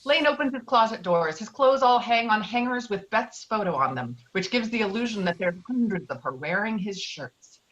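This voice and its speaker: Bright-voiced woman narrating a screenplay. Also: medium pitch, lively intonation, normal speed, dull audio. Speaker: narrator reading stage directions. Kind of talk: scripted narration, screenplay table read.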